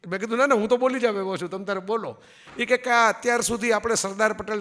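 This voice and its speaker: A man's voice: high voice, pushed and bright, in a large hall. A man giving a public speech to an audience, telling anecdotes and checking in with listeners. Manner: storytelling, acts out quoted voices, asks audience "barabar?". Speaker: public speaker. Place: event hall before an audience.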